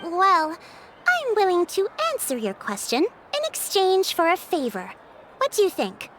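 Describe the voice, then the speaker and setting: A woman playing a confident, courteous tribal chief in a video game, speaking in a measured, formal storytelling manner. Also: very high-pitched, wildly swooping pitch, background noise, full character voice. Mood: composed, businesslike. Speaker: game character, tribe chief. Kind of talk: scripted video game dialogue.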